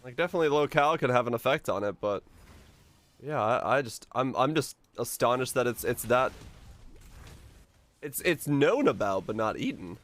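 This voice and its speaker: A man's voice: mid-range voice, animated, normal speed, pauses often, fairly bright tone. A man from Finland chatting casually and informally with viewers as a game livestreamer, musing aloud with some mild swearing. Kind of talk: casual chat with stream viewers.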